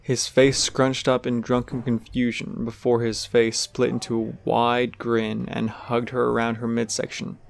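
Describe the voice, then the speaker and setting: A man's voice: medium pitch, completely flat delivery, measured pace, gravelly, few pauses. A man giving scripted third-person narration for an audio drama.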